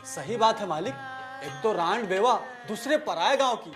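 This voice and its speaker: A man playing a poor villager who meekly flatters his master, with obsequious rustic speech, in a rural drama. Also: sits high, moderate pace, over music. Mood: pleading. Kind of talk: Hindi rural period drama acting.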